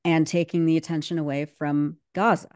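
Low, mellow-voiced woman on a video call. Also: flat delivery, fairly quick, clear, resonant tone. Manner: fluent and emphatic, with many fillers. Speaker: guest commentator. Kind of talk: casual video-call discussion. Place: home room on a video call.

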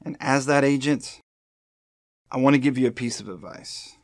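An actor playing a weary, haunted senior FBI agent in an audio drama, speaking in a grave, halting, pleading way. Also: male voice, medium pitch, no echo, clean studio sound, close to an everyday voice. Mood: earnest, pleading.

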